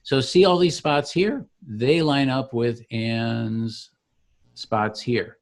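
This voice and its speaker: A man presents his product in an informal walkthrough. He explains each step as he clicks through it, with the pitch of a salesman. His voice sits at a middling male pitch. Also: fairly even intonation, slow pace. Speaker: company founder demonstrating his product. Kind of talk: informal software demo walkthrough.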